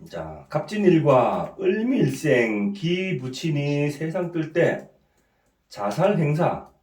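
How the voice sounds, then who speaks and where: Middle-aged guy with a cold teaching fortune-telling, clears his throat a lot, keeps saying right?, kinda far from the mic in a roomy space. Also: mid-range voice, a little mellow. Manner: keeps asking "right?", frequent throat clearing, halting restarts. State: has a cold, sore throat. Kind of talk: informal lecture. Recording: echoey room, voice set back from the mic.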